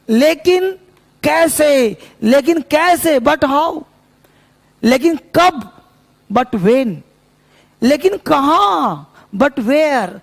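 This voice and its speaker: A man teaching spoken English, drilling short phrases again and again in a slow, emphatic call-and-response lesson. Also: very high-pitched, gravelly, in a large hall. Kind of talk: classroom lesson with repetition drills.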